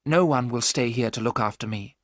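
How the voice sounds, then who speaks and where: A man reading aloud, voicing a young woman under a vampire's spell who speaks in a grave, hushed way. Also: mid-range voice, fairly quick, no room sound, studio quality, natural voice.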